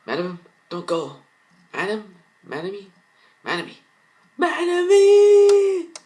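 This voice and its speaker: A man voicing a kind-hearted young female fashion designer, emotional and halting, in an amateur story reading. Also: very high-pitched, huge pitch swings, warm tone, voice pushed up, full character voice. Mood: distraught. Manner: emotional, halting, repeats words.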